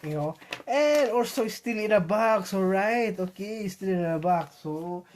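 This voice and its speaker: A man with a Filipino accent talks casually to viewers in an unboxing vlog, halting and repeating himself as he thinks aloud. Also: sits high, animated. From Philippines. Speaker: vlogger. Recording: noisy home recording with clicks.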